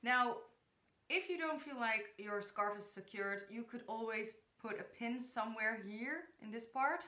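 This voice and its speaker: Speaking unhurriedly in a bright, forceful, fairly high voice, a young Dutch hijab vlogger walks the camera through styles from her bedroom, where the sound echoes. The talk is casual and chatty, full of giggles, with some stumbling over place names.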